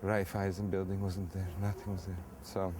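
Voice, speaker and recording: A man's voice: deep voice, level tone, normal speed, background noise. An American man talking as an interview guest in a casual, rambling way, with many fillers and restarts. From United States.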